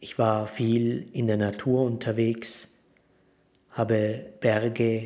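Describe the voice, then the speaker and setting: The man speaks very slowly in a flat monotone at a medium pitch. Everything is very clean, with a silent background. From Austria, Tyrol. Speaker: monk. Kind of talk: scripted narration. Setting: monastery.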